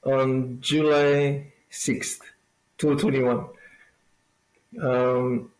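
Slow, halting man with a Fijian accent. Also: mid-range voice, flat delivery, darkish tone. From Fiji. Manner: halting, thoughtful, with frequent pauses. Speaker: interview guest, plant-based food business owner. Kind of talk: conversational interview answer. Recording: roomy, echoing sound.

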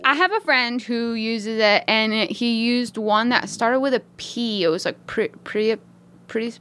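A woman's voice: fairly high pitch, measured pace, fairly bright tone. A woman co-hosting a podcast in a casual chat, reading a listener letter aloud and laughing often. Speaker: podcast host.

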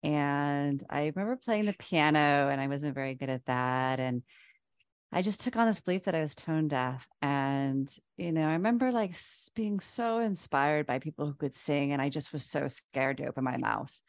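A woman's voice: low-pitched, moderate pace, dry recording. A middle-aged woman co-hosting a podcast, sharing a personal story earnestly with lots of fillers. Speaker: podcast co-host. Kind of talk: casual chat.

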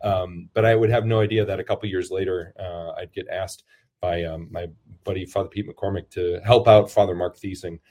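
A man with a low voice, a priest and football chaplain, answering interview questions in a rambling, self-deprecating way with many fillers. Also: fairly even intonation, moderate pace, warm tone. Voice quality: lower voice.

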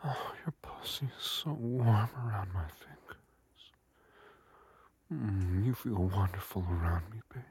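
A man whispering a slow, coaxing intimate audio roleplay in a soft, breathy voice. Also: fairly low pitch.

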